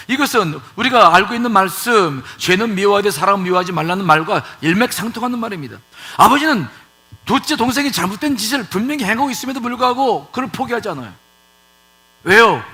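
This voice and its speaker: A man's voice: high voice, sharp tone. A male pastor preaching a sermon in a church, asking rhetorical questions and repeating points for emphasis. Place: church sanctuary.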